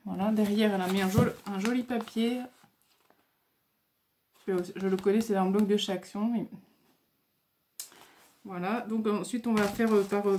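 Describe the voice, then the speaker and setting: French-style craft vlogger lady, lots of euh, stumbles a bit, middle pitch, bit of hiss behind. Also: mellow. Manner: hesitant, many fillers, says she stumbles over words. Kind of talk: casual show-and-tell of mail crafts.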